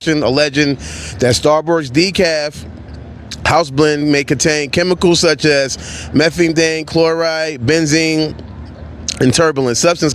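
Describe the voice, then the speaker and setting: Against noticeable background noise, a man speaks at a fairly slow pace with fairly even intonation and very even loudness. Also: fairly high pitch for a man. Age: 30s. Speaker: street interviewer. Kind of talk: news reading.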